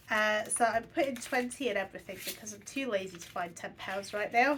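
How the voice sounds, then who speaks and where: The speech moves at a moderate pace. Pitch varies in an ordinary way. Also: woman. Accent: British. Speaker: budgeting vlogger. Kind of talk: casual talk to camera. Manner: less chatty than usual.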